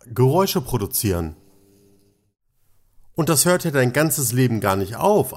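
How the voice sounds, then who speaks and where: A man teaching about the voice and singing technique in a lively explanatory lesson, stretching words and varying his pitch for emphasis.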